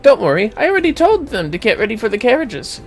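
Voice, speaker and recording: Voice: medium pitch, big pitch swings, fast, pitched above the performer's own voice. A streamer voicing an earnest, courteous young guardian of children in a video game, speaking politely and formally.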